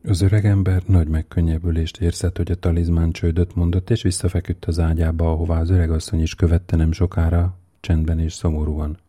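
A man reading a story aloud in a slow, measured, suspenseful way. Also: low-pitched, flat delivery, dark tone, breathy edge. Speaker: narrator. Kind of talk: audiobook reading.

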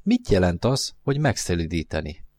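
A man's voice: sits low, sing-song, darkish tone. A man playing a curious little boy prince. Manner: questioning, wondering. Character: curious young boy prince, polite and searching.

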